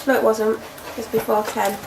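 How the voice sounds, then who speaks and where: A young woman with a cold talks into her camera at home, rambling and self-deprecating. Her voice sits a little high with a gravelly fry at the ends of phrases, and a faint hiss runs behind her. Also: little pitch movement, normal speed. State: congested, snotty from a cold. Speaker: vlogger. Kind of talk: casual chatty vlog to camera. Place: at home, indoors. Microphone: camera mic.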